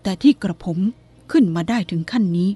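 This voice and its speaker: A woman's voice: mid-range voice, lively intonation, a little fast, warm tone, slightly rough, soft background music. A woman voicing an anxious government minister who speaks politely and deferentially.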